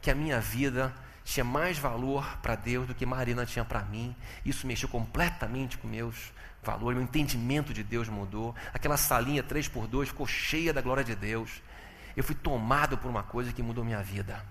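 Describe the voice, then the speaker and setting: Animated male preacher in echoey hall. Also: mid-range voice, normal speed, a little hiss or hum. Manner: animated storytelling, swinging from loud exclamations to hushed tones. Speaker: preacher giving testimony. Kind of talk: testimony sermon.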